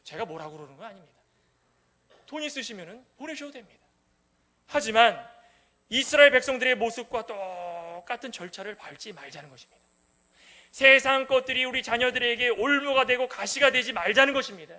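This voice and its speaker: A male pastor preaching an impassioned sermon, swinging between loud cries and hushed pleas in a church. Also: very high-pitched, animated, a little fast. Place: church sanctuary.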